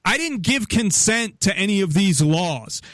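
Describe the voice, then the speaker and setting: A man's voice: sits high, very animated, unhurried, fairly bright tone, no echo, clean studio sound. A man arguing politics bluntly in a heated discussion, swearing freely and often cutting in with his own points. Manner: blunt, profane, interrupts often. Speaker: podcast host.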